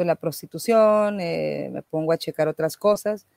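On a very clean recording with a silent background and a dry, close sound with no echo, a woman speaks fairly low in a dark, mellow tone with fairly even intonation. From Tijuana, Mexico. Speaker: poet and cultural manager. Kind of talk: interview.

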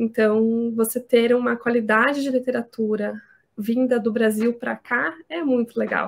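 Using a plain, everyday voice, a woman speaks fairly slowly at a fairly high pitch with fairly even intonation. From Brazil, Curitiba. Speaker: dentist and parenting educator. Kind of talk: interview.

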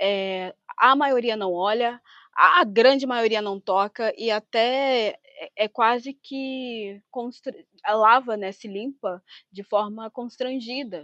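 Very slowly, a woman speaks at a fairly high pitch with ordinary pitch variation and big swings in loudness, in a dry, close sound with no echo. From Angola. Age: 20s. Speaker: women's health researcher. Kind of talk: interview.

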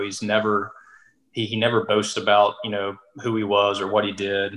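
The speaker talks at a fairly slow pace with an Alabama accent. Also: man. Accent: Southern US (Alabama). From US South, northwest Alabama. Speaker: college golf coach. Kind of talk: casual interview. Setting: phone call.

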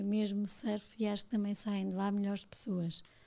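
Her dark, mellow tone carries a fairly high pitch as this woman speaks at a moderate pace. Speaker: podcast host. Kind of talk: interview conversation.

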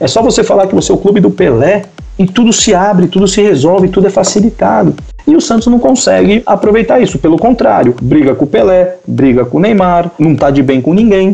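Very wide pitch swings, very even loudness, and a fairly quick pace over music in the background. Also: man, high pitch for a man. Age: 40s. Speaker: marketing executive. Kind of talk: interview.

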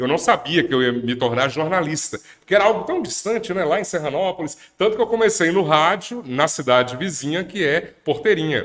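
Pitched high, a man talks at a fairly quick pace with lively intonation and hardly any pauses. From northern Minas Gerais, Brazil. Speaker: TV journalist. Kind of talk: casual chat.

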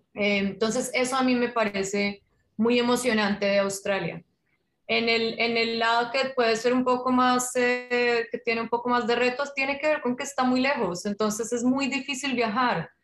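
High pitch from a woman, paired with fairly even intonation. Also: moderate pace. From Colombia, Bogotá outskirts. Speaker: musician and poet. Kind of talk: interview.

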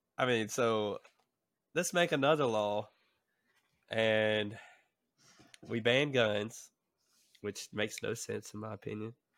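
A man with an American accent talks at a very slow pace, medium in pitch with ordinary pitch variation and long, frequent pauses. The recording is very clean with a silent background. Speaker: podcast co-host. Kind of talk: casual chat.

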